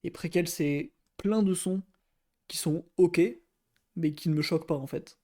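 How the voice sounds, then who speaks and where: A man's voice: a little high, steady tone, unhurried, warm tone. A man streaming his reaction to an album, talking casually and hesitantly while he searches for his words. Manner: hesitant, searching for words, fillers like "euh" and "hein". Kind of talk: casual thinking-aloud reaction.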